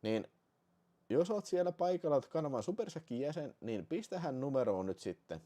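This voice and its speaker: A man hosting a casual livestream, swearing often and swinging between excited outbursts and low mutters. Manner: swears a lot, shifts from excited shouting to muttering. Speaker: channel host.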